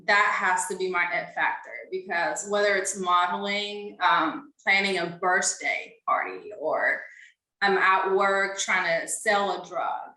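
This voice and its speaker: A woman's voice: mid-range voice, steady tone, a little slow, pushed and bright, echoey room, low-quality recording. A young woman from Ethiopia, a podcast guest, answering interview questions in an earnest, casual way with frequent fillers.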